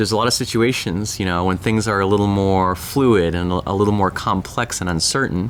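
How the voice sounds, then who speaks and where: Here a man speaks in an American accent with a fairly low pitch. His pace is moderate. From Southern California. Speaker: author and productivity educator. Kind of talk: personal life update vlog. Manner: casual, conversational with fillers.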